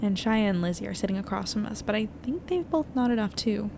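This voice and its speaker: Young woman, creaky voice, anxious, weary, hesitant confiding monologue, audio drama, noisy plane cabin. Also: medium pitch, animated, a little fast. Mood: weary, restless. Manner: hesitant, confiding, thinking out loud. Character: anxious, weary young woman newspaper editor on a night flight. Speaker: lead narrator of an audio fiction podcast. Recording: noisy airplane cabin ambience.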